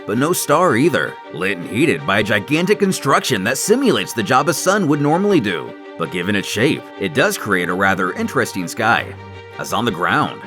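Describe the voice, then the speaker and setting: Theatrical, animated male story narrator. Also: medium pitch. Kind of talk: dramatic scripted story narration. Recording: music under the voice. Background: music.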